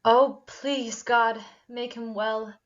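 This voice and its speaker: Woman as a slow-speaking, lovesick teenage girl, muffled audio. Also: on the high side, fairly even intonation. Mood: pleading. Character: lovesick, anxious, devout high school girl Deanie. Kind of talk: virtual table read of a screenplay. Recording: dull, lo-fi online call audio.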